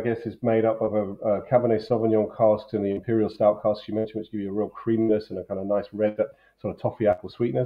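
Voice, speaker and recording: Fairly quick speech from a man with a London accent, at a fairly low pitch. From London, England. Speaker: whiskey distillery founder. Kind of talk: casual chat. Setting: video call. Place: home room. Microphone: webcam.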